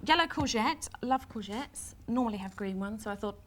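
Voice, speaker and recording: A woman's voice: on the high side, lively intonation, normal speed. Hesitant woman contestant, many ums. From Bedfordshire, England. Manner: hesitant, lots of ums, self-deprecating. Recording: light tape hiss.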